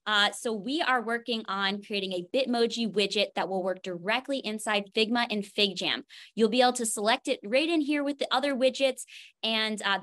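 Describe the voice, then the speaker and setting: A woman with a bright, fairly high voice shows off features in a cheerful, chatty way. She speaks over a webcam call. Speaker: education team presenter. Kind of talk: live software demo.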